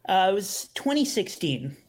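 A young man speaking as a podcast guest, his voice sitting a little high. He talks in a casual, hesitant way, often starting over and leaning on fillers. His tone stays relaxed and conversational. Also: normal speed, husky. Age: young adult. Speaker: podcast guest, fantasy sports analyst. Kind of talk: casual interview chat.

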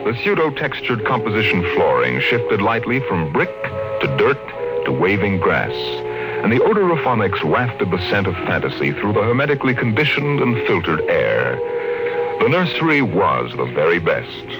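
Deep, dramatic American radio narrator man. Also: sing-song, rough recording. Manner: measured, dramatic delivery. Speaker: announcer and narrator. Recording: vintage 1950s radio broadcast with music.

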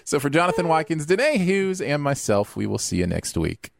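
A man's voice: a little high, very animated, a little fast, gravelly. A man hosting a podcast who teases his co-hosts and reads the sign-off. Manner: jokey, teasing. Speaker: podcast host. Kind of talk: casual podcast chat and sign-off.

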